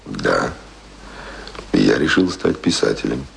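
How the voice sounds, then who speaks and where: An actor in a radio play playing an earnest, passionate young self-taught would-be writer, speaking ardently and poetically. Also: male voice, a bass voice, very animated, slow, vocal fry, fairly bright tone, a little hiss or hum, exaggerated voice. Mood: earnest, determined.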